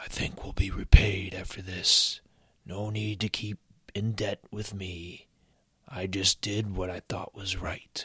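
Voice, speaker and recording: A man's raspy, whispered character voice, fairly slow, with big swings in loudness and a dry, close sound without echo. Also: very clean recording, silent background. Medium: read story. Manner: calm, cautious.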